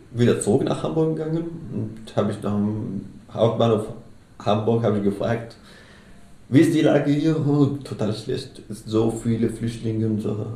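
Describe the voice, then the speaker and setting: A man with an Arabic accent and a medium pitch speaks at a fairly slow pace with long, frequent pauses, amid audible room echo and noticeable background noise. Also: ordinary pitch variation. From Syria, Aleppo. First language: Arabic (speaking German). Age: 40s. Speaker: refugee. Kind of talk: interview. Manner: halting.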